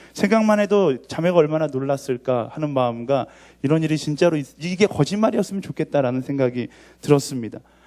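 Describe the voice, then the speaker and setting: A man with a fairly high pitch and a dark, mellow tone speaks with lively intonation at a fairly quick pace. The recording is very clean, with a silent background. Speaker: preacher. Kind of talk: sermon. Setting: church service with congregation.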